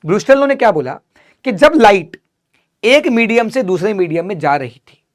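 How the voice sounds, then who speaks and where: Male physics teacher, revision lecture, casual and direct, answers his own questions. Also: high voice. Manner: asks students questions then answers them; calls students "beta", casual and direct.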